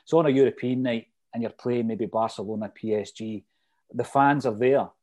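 A man's voice: medium pitch, fairly quick, warm tone. A middle-aged man with a Fife Scottish accent, reminiscing casually in a chatty, detailed, anecdotal way. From Fife, Scotland. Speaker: interview guest, lifelong football supporter.

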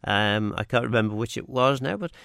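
A man's voice: medium pitch, lively intonation, brisk, creaky, a bit bright, no echo, clean studio sound. A man with a Manx accent hosts a radio phone-in, chatting casually and reading out listeners' texts in a hesitant, rambling way.

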